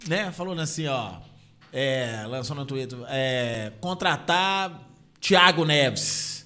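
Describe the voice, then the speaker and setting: A man, chatting casually in an excitable, loud way. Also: medium pitch, takes it slowly. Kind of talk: casual chat.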